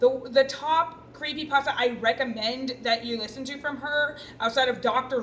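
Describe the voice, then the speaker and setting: A woman speaks at a moderate pace in a high voice with ordinary pitch variation, and there is noticeable background noise. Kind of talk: casual talk to camera. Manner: hesitant, pausing and stuttering.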